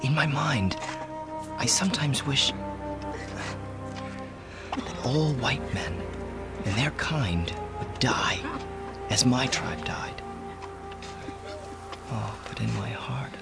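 An actor playing a proud, brooding Native American man in a radio drama, speaking formally and with deliberate intensity. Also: mid-range voice, lively intonation, gravelly. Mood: anguished, earnest. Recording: radio play with loud music underneath.

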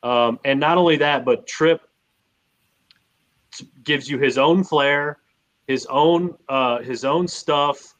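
A man's voice: on the high side, takes it slowly, long pauses, fairly bright tone. A man co-hosting a sports podcast in casual conversation, repeating phrases for emphasis.

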